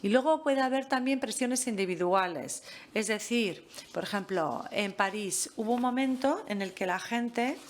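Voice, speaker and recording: A woman lectures at a master class. She talks in a measured, deliberate way and often stops on a filler. Her voice sits at an ordinary middle pitch. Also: slight background noise. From France. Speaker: guest lecturer.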